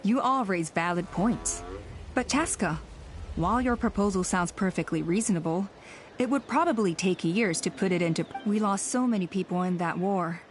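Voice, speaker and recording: A woman playing an authoritative, encouraging tribal elder in an anime game, speaking formally and deliberately. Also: medium pitch, slight background noise, close to an everyday voice. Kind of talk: anime video game voice acting.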